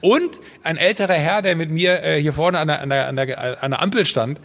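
A man's voice: on the high side, fairly quick, a bit bright, big-room sound. A man as a podcast guest in casual chat, telling stories animatedly and acting out voices, often restarting his sentences.

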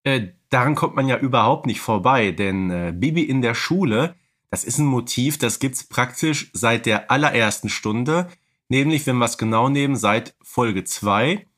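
Male co-host for a chat podcast, medium-pitched voice, casual and humorous conversational delivery. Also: normal speed, a bit bright.

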